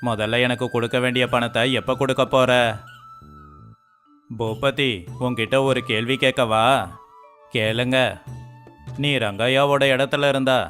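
A man voicing every male figure in a cartoon village story, in an even, scripted delivery. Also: mid-range voice, unhurried, pauses often. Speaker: voice actor for all male figures. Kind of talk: scripted dialogue of an animated moral story. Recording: faint music underneath.

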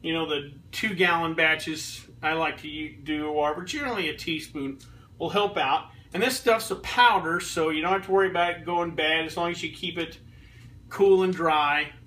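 A man in his thirties talks through a beer tasting in his kitchen. His voice is fairly high and bright, and he rambles with frequent ums and restarts. The camera mic sits a few feet off, so he sounds a little distant. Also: normal speed, slight background noise. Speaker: beer reviewer and home brewer. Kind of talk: casual beer review vlog. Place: home kitchen, indoors. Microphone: fixed camera a few feet away.

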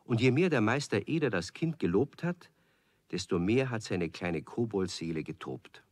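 An actor as the storyteller of a children's radio play, narrating in a measured way. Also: male voice, fairly low pitch, lively intonation, a little mellow. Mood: storytelling. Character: male storyteller of a children's tale.

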